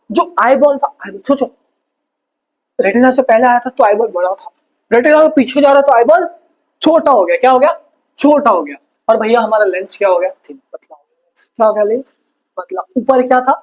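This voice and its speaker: A man teaching a lively exam revision lesson, calling the students brother and asking and answering his own questions. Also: sits high, slightly rough, poor audio. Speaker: science teacher.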